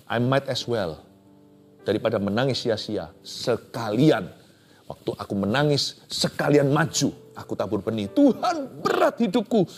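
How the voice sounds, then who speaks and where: A man preaching a sermon, dramatic and emotional, swinging from loud cries down to near whispers, with English phrases mixed in. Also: medium pitch. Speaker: pastor.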